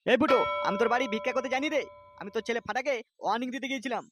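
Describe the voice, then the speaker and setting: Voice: mid-range voice, very fast, fairly bright tone, soft background music, lightly acted. An actor voicing an irritable male club boss in a comic cartoon, scolding in coarse slang with a West Bengal accent. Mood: stern.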